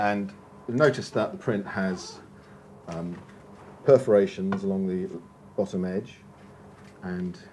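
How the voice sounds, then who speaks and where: Over noticeable background noise, a man with a British accent talks at a fairly slow pace with long, frequent pauses, a fairly low pitch, and ordinary pitch variation. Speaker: film archive technician. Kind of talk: instructional demonstration.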